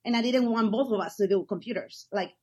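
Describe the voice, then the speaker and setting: Enthusiastic woman from Ecuador, fairly high voice. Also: fast, mellow, slightly rough. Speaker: guest. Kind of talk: casual conversational interview.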